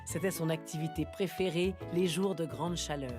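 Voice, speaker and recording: A woman narrating a children's cartoon as a gentle storybook storyteller. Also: sits low, steady tone, moderate pace, music in the background, lightly acted. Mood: gentle storytelling.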